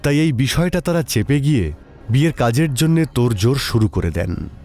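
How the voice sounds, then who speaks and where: একজন পুরুষ কথক লিখিত ভূতের গল্প পাঠ করছেন।. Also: male voice, mid-range voice, animated, fairly quick, a little mellow, faint music behind. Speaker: narrator. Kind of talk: scripted horror story narration.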